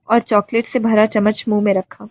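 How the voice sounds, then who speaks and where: Husky woman narrating a novel. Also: medium pitch, level tone. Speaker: audiobook narrator. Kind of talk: dramatic novel reading. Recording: dry tinny phone-like recording.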